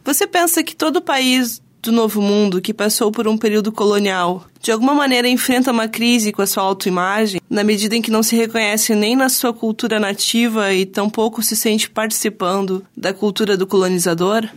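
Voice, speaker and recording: Measured radio interviewer. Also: medium pitch. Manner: measured, formal questioning. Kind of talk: interview questions.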